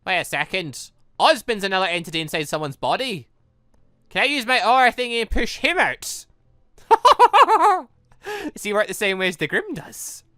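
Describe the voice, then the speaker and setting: A bright, highly animated male voice in a casual let's play, recorded dry and close. He rambles playfully and reacts out loud to himself as he goes. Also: normal speed, dry recording. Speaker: gaming video host.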